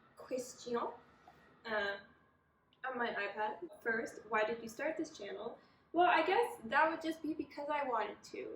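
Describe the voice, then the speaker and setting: Amid noticeable background noise, a woman speaks fairly slowly at a high pitch with lively intonation. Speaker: booktuber. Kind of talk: casual vlog talk. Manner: chatty, talkative.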